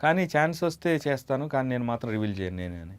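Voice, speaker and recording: A man's voice: medium pitch, sing-song, very fast. A man speaking as a guest mimicry artist, telling anecdotes in a conversational interview style.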